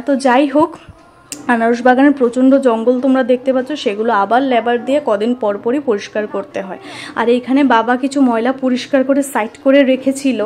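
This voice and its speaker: A young woman narrates a personal vlog casually, chatting straight to her viewers with little tag questions. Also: on the high side. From rural Tripura, India. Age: young adult. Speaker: vlogger.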